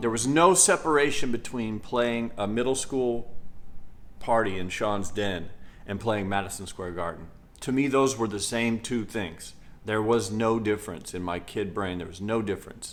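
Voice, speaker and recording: A man at medium pitch talks at a moderate pace with ordinary pitch variation. Audible room echo surrounds his voice. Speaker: YouTuber and online marketer. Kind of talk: personal storytelling monologue. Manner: animated.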